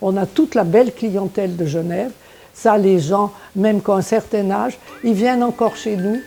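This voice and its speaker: A woman's medium-pitched voice with music in the background. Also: ordinary pitch variation, moderate pace. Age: 90s. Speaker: shop owner. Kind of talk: interview. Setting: inside a shop. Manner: animated.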